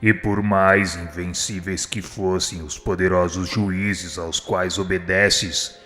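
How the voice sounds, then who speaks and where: A man's voice: sits low, fairly even intonation, takes it slowly, bright, forceful tone, heavily acted. An actor playing a kind, humble spirit instructor in a radio drama, solemn and eloquent as he pleads. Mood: solemn persuasion. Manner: solemn, supplicating, formal and eloquent. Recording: long hall reverb, music underneath. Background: music.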